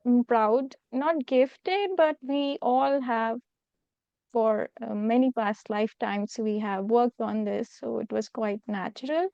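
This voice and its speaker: A woman's voice: a little high, takes it slowly, gravelly, clear, resonant tone, no room sound, lo-fi sound. An Indian-accented woman telling personal stories in a conversational interview. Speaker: spiritual healer, interview guest.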